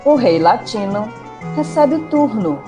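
A woman's voice: on the high side, expressive, takes it slowly. A Brazilian woman giving humorous scripted narration with wry, playful asides. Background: music with guitar.

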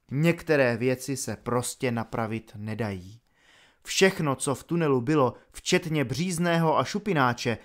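A man reading an audiobook aloud in a measured, dramatic narrating style. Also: on the high side.

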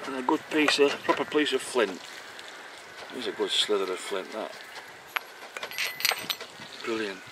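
A man's voice: fairly low pitch, animated, measured pace, long pauses. Chatty middle-aged man vlogging outdoors. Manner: chatty, affectionate banter. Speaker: vlogger filming a camping trip. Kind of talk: casual chat to camera. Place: outdoors in woodland camp. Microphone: handheld camera, selfie distance. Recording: outdoor camera audio with clear background noise.

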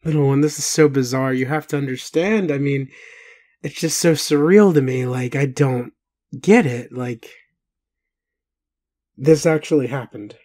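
A man playing a bewildered, doubting but gentle partner in an intimate roleplay audio, speaking haltingly with pauses. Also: mid-range voice, close to an everyday voice. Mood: incredulous. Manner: halting, hesitant, full of pauses and sighs.

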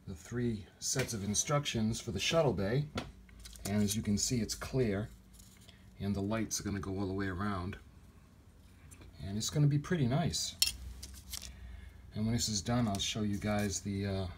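Male hobby host, lower register, halting off-the-cuff tutorial delivery, homemade recording with faint noise behind. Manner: halting, thinking aloud. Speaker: hobby model builder, video host. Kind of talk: casual hands-on tutorial narration. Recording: noisy handheld home video sound.

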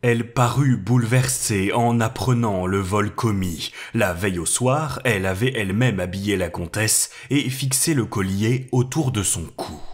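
Guy narrating an old novel audiobook, calm and steady, lowish husky voice. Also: moderate pace, hardly any pauses. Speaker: audiobook reader. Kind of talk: scripted narration.

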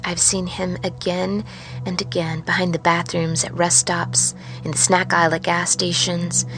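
A woman playing a weary, haunted truck driver, musing in a hushed, halting monologue for a fiction podcast. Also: on the low side, close to an everyday voice. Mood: uneasy, brooding. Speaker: narrator of serial fiction podcast. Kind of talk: dramatic first-person audio fiction monologue.

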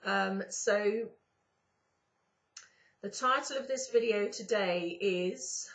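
Sitting on her sofa at home, a middle-aged spiritual channeler and YouTuber delivers a slow, casual monologue to her webcam, drawing out pauses in a croaky morning voice. She speaks at medium pitch with a fairly bright tone, and the close-range webcam audio sounds slightly dull.

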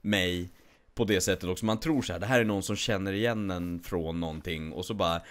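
A man in his forties chatting casually while gaming, telling stories and acting out the voices of people he quotes. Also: deep voice. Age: 40s. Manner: animated storyteller who acts out quoted voices. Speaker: streamer playing a hunting game.

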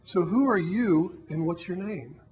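A man's voice: high-pitched, a little slow, darkish tone, a little hiss or hum. A brave little storybook girl, strict and unafraid, speaks up in a raised, firm voice, as a man reading aloud puts her on. She scolds and questions with plain determination. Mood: bold. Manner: bold and scolding.

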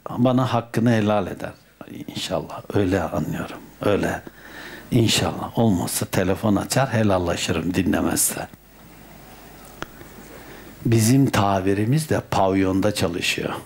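A man, a Sufi sheikh, giving an unhurried religious talk with storytelling that often sinks to a soft murmur. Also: fairly low pitch, slight background noise.

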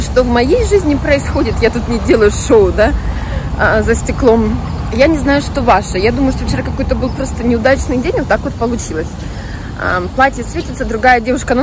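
A woman's voice: a little high, expressive, a little fast. A woman in her thirties, a fashion vlogger, talking earnestly and emotionally to camera outdoors, upset after crying. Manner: earnest, emotional, defensive, speaks straight to viewers. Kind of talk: casual vlog monologue to camera. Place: outdoor city park square. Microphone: phone held at arm's length. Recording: phone audio with street traffic noise.

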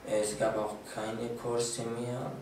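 A man's voice: medium pitch, little pitch movement, takes it slowly, darkish tone. Hesitant young man, echoey office. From Iraq. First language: Yazidi Kurdish. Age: young adult. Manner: hesitant, many filler sounds and restarts. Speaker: interviewee. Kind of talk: interview about integration. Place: small office room with filing shelves. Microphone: room mic from a far camera. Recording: echoey room, distant mic, faint hiss.

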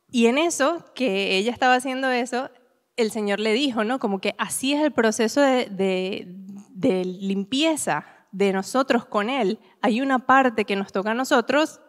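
A young woman preaching a sermon in a church, telling personal stories to her congregation in a conversational, expressive way. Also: fairly high pitch. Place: church hall. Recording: long church-hall reverb.

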